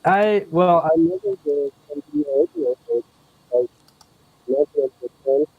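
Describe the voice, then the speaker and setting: A man chatting casually as a guest on a video call, talking hesitantly in halting bits while his audio sounds muffled and underwater. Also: fairly high pitch, sing-song, vocal fry, slightly rough. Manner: hesitant, halting speech full of fillers. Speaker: guest on an online repair show. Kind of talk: casual chat.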